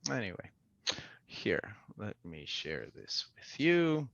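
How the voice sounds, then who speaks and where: A man from Mexico hosting a spoken English class as a language trainer, giving deliberate, instructive prompts. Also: lowish voice, wildly swooping pitch, vocal fry, a bit bright, dry recording, lo-fi sound. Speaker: language trainer, podcast host.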